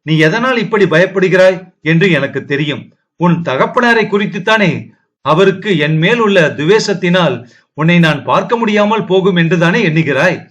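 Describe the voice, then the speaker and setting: A man's voice: high voice, lively intonation, normal speed, fairly bright tone. A man reading the lines of a young nobleman who speaks to his beloved in a firm, tender way, close to his own voice.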